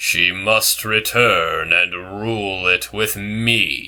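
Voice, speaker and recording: In a put-on character voice, a man sounds raspy and fairly low-pitched. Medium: read story. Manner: cool.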